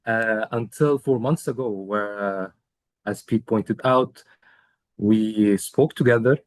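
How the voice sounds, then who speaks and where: A young man from Egypt, a coaching client telling his story in an interview, earnest and measured, with many pauses and fillers. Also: on the low side, no room sound. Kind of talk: testimonial interview.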